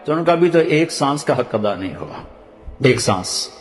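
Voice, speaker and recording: An older man from Pakistan with a Punjabi accent, preaching a sermon and telling stories, dropping low to recite Arabic verses. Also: expressive, long reverb tail. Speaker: Islamic preacher.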